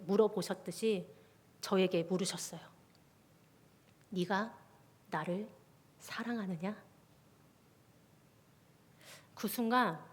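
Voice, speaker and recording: A woman, a junior pastor, giving a testimony sermon at a midweek prayer service, often dropping her voice to a soft whisper. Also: medium pitch. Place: church sanctuary. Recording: long reverb of a church hall.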